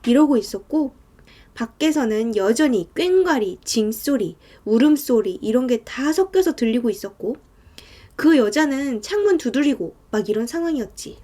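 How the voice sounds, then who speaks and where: A woman narrating a true horror story in a dramatic way, sometimes dropping to hushed tones. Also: a little high, lively intonation, normal speed.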